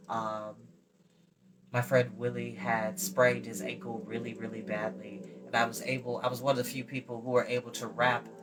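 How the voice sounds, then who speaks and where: A woman reading a story aloud as narrator, with casual asides. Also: a bass voice. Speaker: storytime reader.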